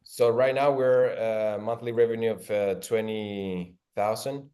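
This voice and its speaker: A man from Ecuador, a guest in an interview, speaking haltingly with many restarts. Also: on the low side, fairly even intonation, dark tone. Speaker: interview guest, agency owner. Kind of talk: casual video call interview.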